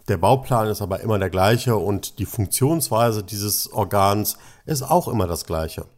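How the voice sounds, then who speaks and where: A man teaching about the voice and singing technique in a lively explanatory lesson, stretching words and varying his pitch for emphasis.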